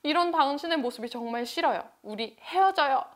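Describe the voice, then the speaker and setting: A woman voicing fickle storybook husbands who propose with flattery and later complain politely. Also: high-pitched, brisk. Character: smitten husbands, fickle grown men.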